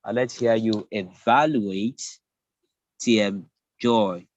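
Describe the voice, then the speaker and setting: A man's voice: fairly low pitch, slow pace, darkish tone, highs cut off. Man hosting an online club meeting. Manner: introduces speakers with light remarks, checks if heard. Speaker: toastmaster of the day.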